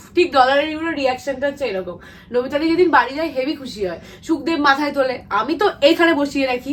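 A woman's high-pitched voice shows big swings in loudness and ordinary pitch variation over noticeable background noise. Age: 20s. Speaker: vlogger and actress. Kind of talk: casual vlog.

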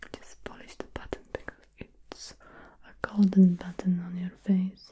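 A whispering woman with big swings in loudness. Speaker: ASMR creator. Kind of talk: soft-spoken ASMR role-play. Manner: soft, close-mic ASMR murmur.

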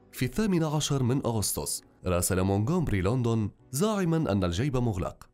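Over music in the background, a man at a medium pitch speaks at a moderate pace with very wide pitch swings. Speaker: voice-over artist. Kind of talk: documentary narration.

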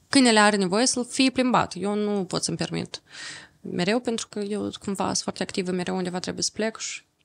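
Delivery runs at a fairly quick pace. Intonation stays fairly even. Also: woman. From Moldova. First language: bilingual Romanian and Russian (speaking Romanian). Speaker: journalist. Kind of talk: interview. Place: studio. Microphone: studio mic.

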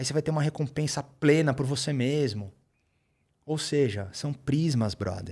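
A man with a fairly high, somewhat breathy voice speaks at a moderate pace. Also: ordinary pitch variation. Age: 40s. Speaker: author speaking about addiction recovery. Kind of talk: casual interview chat.

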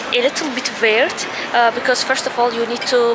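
A woman's voice sounds dry with no echo, set against loud background noise. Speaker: travel vlogger. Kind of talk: casual vlog chat. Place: cafe. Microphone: phone near.

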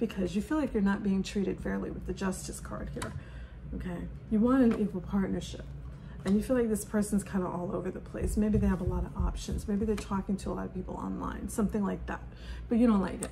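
Noticeable background noise fills the recording. Over it, a woman speaks very fast. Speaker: tarot reader. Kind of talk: casual tarot reading monologue. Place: home room. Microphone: phone near.

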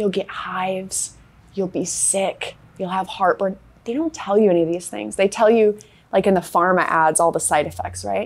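This is a woman with an American accent and a plain, everyday voice. She speaks at a medium pitch and moderate pace with fairly even intonation. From Colorado. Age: 40s. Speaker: cancer survivor and military veteran. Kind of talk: interview. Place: studio. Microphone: lapel.

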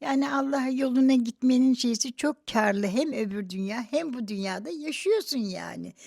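A woman at high pitch with lively intonation, a moderate pace and hardly any pauses, on a very clean recording with a silent background. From Istanbul, Turkey. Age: 80s+. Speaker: religious community member. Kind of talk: interview reminiscence.

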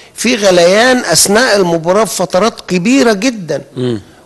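A man with a high pitch uses lively intonation while talking at a moderate pace. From Egypt. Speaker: football coach. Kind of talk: interview; interview answer. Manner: halting. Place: studio. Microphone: handheld.

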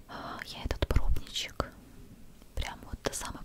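Loud noise fills the background while a woman speaks rather slowly. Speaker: beauty vlogger reviewing perfumes. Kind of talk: casual vlog chat, product review. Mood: warm, playful. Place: home room. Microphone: studio mic.

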